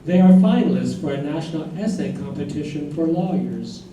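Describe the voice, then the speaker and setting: A man's voice: on the high side, expressive, moderate pace, dark tone. A man narrating in a staged play reading, delivering scripted lines. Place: live staged reading in a room. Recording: very echoey room, distant mic, faint noise.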